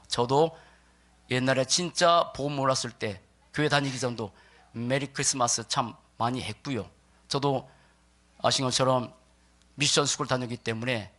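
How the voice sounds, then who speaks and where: A man preaching to a congregation as a pastor, stressing key words in deliberate phrases and putting questions to his listeners. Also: mid-range voice, bright, forceful tone. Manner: puts rhetorical questions to listeners. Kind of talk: church sermon to a congregation.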